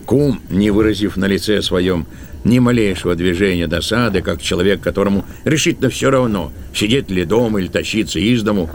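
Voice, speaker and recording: A man's voice: sits low, fairly quick, a little hiss or hum. A man narrating a literary tale as the storyteller of an audio play.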